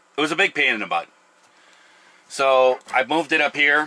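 A man talks at a fairly quick pace with ordinary pitch variation. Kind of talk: casual vlog chat. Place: car. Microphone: phone near.

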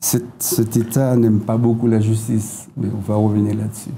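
A man, somewhat breathy, speaks at a fairly slow pace with light background noise. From Martinique. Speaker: activist spokesperson. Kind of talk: political interview. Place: studio. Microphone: lapel.

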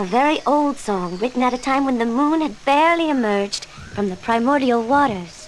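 Putting on a squeaky character voice, a woman speaks high and lively at a moderate pace, hardly pausing, over light background noise.

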